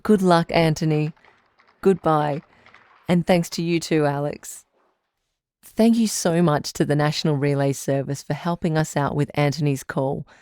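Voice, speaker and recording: A woman playing a calm, supportive radio advice doctor, speaking in a deliberate, reassuring way. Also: low voice, dry recording, clean studio sound. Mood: warm sign-off. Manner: reassuring, deliberate, clearly phrased. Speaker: radio call-in show host. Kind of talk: radio advice show, measured delivery.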